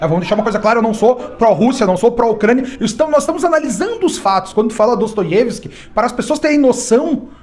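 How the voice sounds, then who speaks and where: An extremely high-pitched man talks very fast with hardly any pauses and lively intonation. Background noise is noticeable. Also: very even loudness. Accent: Rio Grande do Sul. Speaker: political analyst. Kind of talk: interview.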